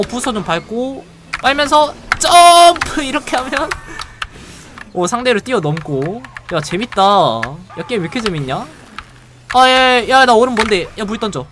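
Over a noisy background, a medium-pitched game streamer delivers live commentary on the action. The tone is excitable and playful, full of quick reactions and frequent laughter.

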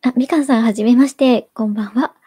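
Soft-spoken woman reading viewer comments. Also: fairly high pitch, steady tone, quick pace, slightly rough, no echo, clean studio sound. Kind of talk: casual live-stream chat.

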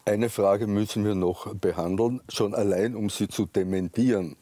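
A man's voice: on the low side, steady tone, normal speed, mellow, dry recording. A man on a studio panel, asking short probing questions. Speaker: panel guest.

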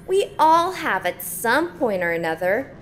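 A high, slow, patronizing counselor. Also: female voice, big pitch swings, slight background noise. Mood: patronizing, insistent. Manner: patronizing, emphatic schoolteacher delivery. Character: saccharine, domineering group counselor lecturing teens. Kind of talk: audio drama acting.

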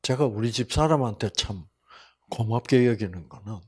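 An older man from Busan, giving a Bible lecture with personal testimony, telling stories folksily and swinging between loud exclamations and soft asides. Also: mid-range voice, lively intonation, normal speed, slightly rough. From Korea (Busan). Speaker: health seminar lecturer.

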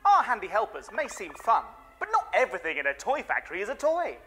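A high-pitched, relentlessly chipper safety-video presenter from the nineties. He lilts like a children's show host with something sinister underneath, over faint music. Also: huge pitch swings, fast talker, bright, forceful tone, exaggerated voice. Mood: cheerily ominous. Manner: exaggerated perky, singsong, enunciated. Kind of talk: scripted children's-show style corporate training video acting.

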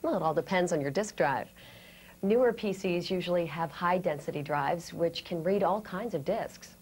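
An American woman in her thirties presenting a scripted training lesson, explaining things clearly step by step. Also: lowish voice, moderate pace, a little mellow. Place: indoor studio set.

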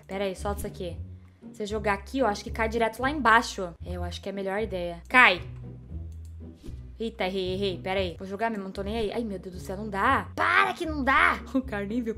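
A young Brazilian woman with a Brazilian Portuguese accent, narrating a stealth game in excitable, panicky running commentary to herself. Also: mid-range voice. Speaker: gaming YouTuber. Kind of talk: let's-play commentary.

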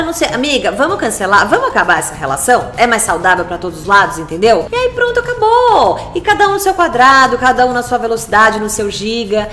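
A woman's voice: medium pitch, fairly bright tone. A young woman from Brazil acting out zodiac signs in a comic sketch, theatrical, exasperated and sarcastic, as a regular on an astrology segment. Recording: roomy echo, faint music.

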